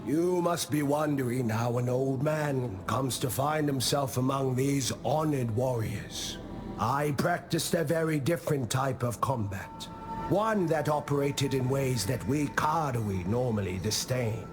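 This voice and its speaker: A man performs an old tribal diplomat from a fantasy video game. He speaks very slowly at a medium male pitch, weighing his thoughts like a patient, philosophical teacher with a gently stern side. Music plays clearly behind the voice. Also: natural voice. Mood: proud, wry. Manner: measured, solemn, philosophical storytelling. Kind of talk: scripted video game character monologue.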